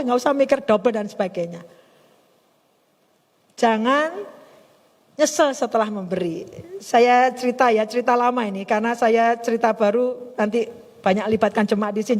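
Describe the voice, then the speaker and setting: Woman pastor, middle-aged, lively storyteller, slightly high voice, long hall echo. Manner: chatty, animated, laughs often. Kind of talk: storytelling sermon. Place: church service in a hotel hall.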